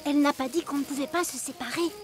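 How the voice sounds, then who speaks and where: A woman's voice: sits high, fast talker, close to an everyday voice. A woman voicing a curious, teasing little girl in a French cartoon dub, playful and suggestive. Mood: scheming. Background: music.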